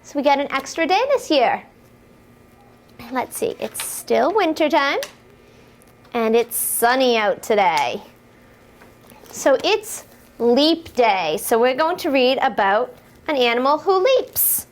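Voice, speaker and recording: A woman reading picture books aloud to young children in an animated, encouraging way, asking them questions and playfully exclaiming the action words. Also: high voice, slow pace, long pauses, a little hiss or hum. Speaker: storytime reader for young children.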